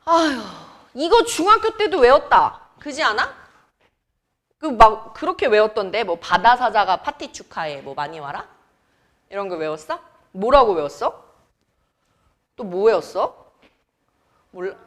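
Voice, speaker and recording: A young woman teacher from Seoul talking to her class, with a slightly high and very animated voice that swoops up and down. She chats, teases and quizzes the students as she works through the lesson in a classroom. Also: unhurried, long pauses. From Seoul, South Korea. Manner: chatty, teasing, quizzes students. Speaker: academy Korean teacher. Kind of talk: classroom lecture.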